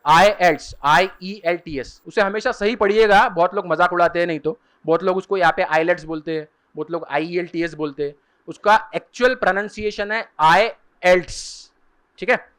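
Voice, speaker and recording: A man with a fairly high voice lectures a seminar audience on study options. He explains step by step, slowing down to spell out and repeat the key terms. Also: fairly bright tone, smooth. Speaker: career guidance speaker. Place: seminar hall.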